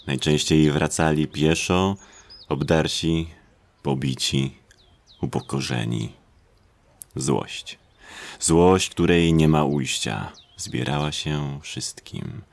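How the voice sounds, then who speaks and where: Very deep, slow, gravelly male narrator. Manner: slow, brooding delivery in short phrases with pauses. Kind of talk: scripted dramatic narration of a horror audio drama. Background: atmospheric sound effects.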